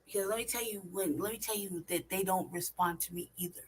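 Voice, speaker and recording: In a brisk, mid-range voice, a California woman vlogs casually, swearing frequently, stressing her points and asking rhetorical questions. There's slight background noise.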